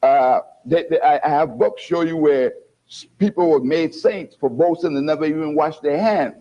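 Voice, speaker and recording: A man's voice: on the high side, normal speed. A man, a guest lecturer, talking in a folksy, self-deprecating way with chuckling asides. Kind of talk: conversational TV interview. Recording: dull lo-fi TV audio.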